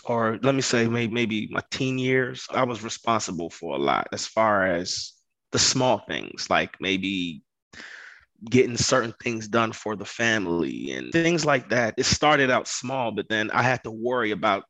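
A man's voice: lowish voice, expressive, unhurried, a bit bright, no room sound, rough recording. A man from Ghana talking as a podcast guest, telling his story in an earnest, conversational way and repeating phrases for emphasis. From Ghana, West Africa. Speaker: podcast guest, construction business owner.

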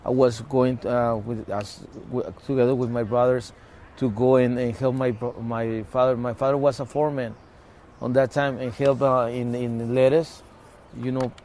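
Speaking as an activist guest, this Spanish-speaking man from the Mexico-California border area shares a personal story in conversation, halting often, restarting and repeating words. His mid-range voice moves little in pitch and sounds a little mellow. A faint hiss or hum runs underneath.

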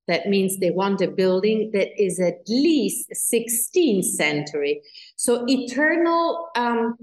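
A woman's voice: mid-range voice, a little mellow, roomy sound, poor audio. An Italian woman whose first language is German, speaking English with a German accent as a real estate agent giving an enthusiastic interview, with fillers and restarts. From Italy. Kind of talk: interview guest.

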